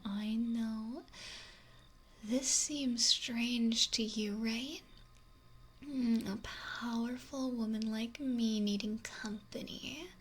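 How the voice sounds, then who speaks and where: A woman voicing a possessive, lonely, wealthy female mafia boss in a whispery, breathy, domineering ASMR roleplay, close to the microphone. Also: fairly high pitch. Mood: wistful, controlling. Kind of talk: intimate ASMR roleplay monologue. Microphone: close binaural microphone. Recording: noisy close binaural whisper recording.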